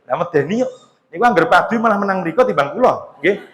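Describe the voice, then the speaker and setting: A man with a high voice and a Javanese accent preaches in a relaxed, joking way, talking straight to the women in front of him. His voice rings out through a large hall with a long, echoing tail. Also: quick pace. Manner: chatty, joking, mixes Javanese into Indonesian, addresses women in the audience. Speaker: Islamic preacher. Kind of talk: humorous religious lecture. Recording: echoey hall with long reverb.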